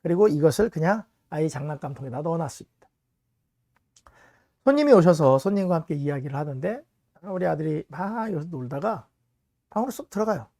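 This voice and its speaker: A man's voice: a little high, animated, a little fast, long pauses, warm tone, no echo, studio quality. A middle-aged man, a pastor, preaching a sermon, telling a family story and speaking straight to his congregation. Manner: storytelling, addresses the congregation directly.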